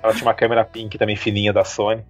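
A man's voice: fairly low pitch, completely flat delivery, racing, dull audio, soft background music. A Brazilian man with a Brazilian Portuguese accent, a podcast guest telling stories in a shy, self-deprecating way, full of fillers. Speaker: guest, content creator. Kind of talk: casual podcast conversation.

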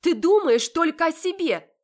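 Indignant young woman, voiced by the female narrator, raised and shrill. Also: animated, moderate pace. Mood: furious. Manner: loud, indignant, high-pitched outbursts. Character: heated young woman arguing with her sister.

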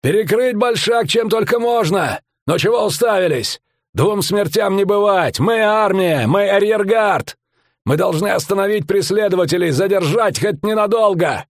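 A male audiobook narrator voicing a hoarse, desperate soldier commander who barks orders. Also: high voice, animated, moderate pace, no echo, clean studio sound, pitched above the performer's own voice. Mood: shouting orders. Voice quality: hoarse shouting.

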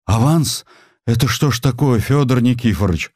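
A humble, naive merchant from the provinces, put on by a male reader in an audio drama. He pleads in folksy phrases, his voice raised in pitch and swinging about, recorded close and dry. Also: animated, normal speed, darkish tone, no echo, close to an everyday voice. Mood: anxious pleading.

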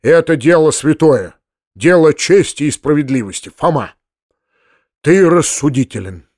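A man's voice: on the high side, expressive, unhurried, a little mellow, no room sound, studio quality. A man voicing an earnest, well-meaning uncle who stumbles over his words, in an audiobook. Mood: earnest, flustered.

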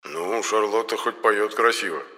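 Man doing a grumbling, slow-talking fellow. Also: pushed and bright, in a large hall. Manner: grumbling, unhurried, low-key. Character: grumpy, fussy male companion, slow and lazy-voiced.

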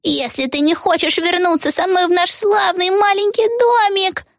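A woman's voice: sits high, expressive, no room sound, clean studio sound, voice pushed up. Woman voicing a sugary scheming old witch. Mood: sugary sing-song. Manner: drawn-out, sing-song, fake tender. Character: scheming old female witch, falsely sweet.

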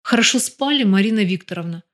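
A woman's voice: mid-range voice, expressive, fast talker, natural voice. Woman narrator voicing a surly grumbling bodyguard, audiobook, light touch. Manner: grumbling, teasing. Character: gruff grumbling male bodyguard.

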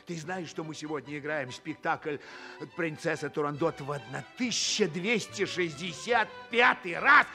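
An actor playing a boastful, clownish chief of the palace guard, pompous and stumbling over grand words in theatrical comic dialogue on a 1960s radio recording. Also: male voice, on the high side, normal speed, sharp tone, faint music behind. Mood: pompous bragging.

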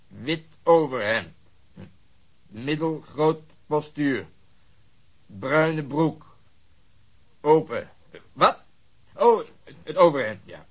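An actor playing a gruff, sarcastic police detective in a radio drama, speaking in an exasperated, grumbling way. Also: male voice, fairly high pitch, full character voice, rough recording. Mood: strained patience. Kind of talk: Dutch radio drama acting.

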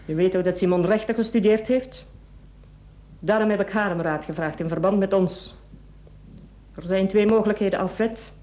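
An actress with a Flemish accent playing a cold, domineering, calculating wife in a radio play, commanding and clipped. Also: female voice, mid-range voice, moderate pace, long pauses, mellow, natural voice. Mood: stern, accusing. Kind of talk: Dutch-language radio play acting.

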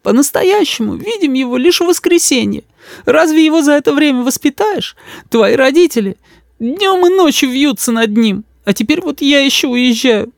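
A man voicing an anxious, tearful young mother who talks in a pleading, soft-hearted way. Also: high voice, very animated, moderate pace, dry recording, studio quality, voice pushed up.

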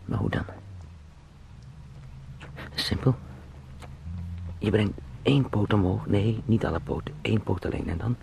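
An actor playing an anxious travelling salesman turned helpless beetle in a halting, introspective radio drama monologue that drifts into whispers. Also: lowish voice, gravelly, a little mellow, a little hiss or hum. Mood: strained, muttering.

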